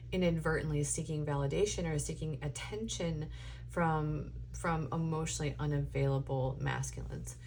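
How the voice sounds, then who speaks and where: A woman giving a casual spoken tarot reading, her voice going hoarse, meandering and thinking aloud with many ums. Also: low voice, a little hiss or hum. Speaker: tarot reader.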